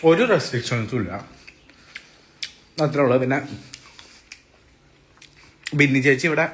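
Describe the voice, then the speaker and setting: A man's voice: mid-range voice, measured pace, fairly bright tone. A young man chatting casually and teasingly to viewers on a live stream from an apartment, talking into a phone. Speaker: vlogger doing a live stream. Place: apartment indoors.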